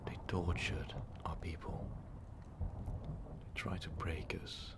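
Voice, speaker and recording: A man playing an ancient, brooding vampire overlord in an intimate ASMR roleplay, speaking in a weary, halting, breathy whisper. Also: flat delivery. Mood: somber, reminiscing. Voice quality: breathy, gravelly low whisper. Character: ancient, brooding male vampire overlord, tormented former rebel.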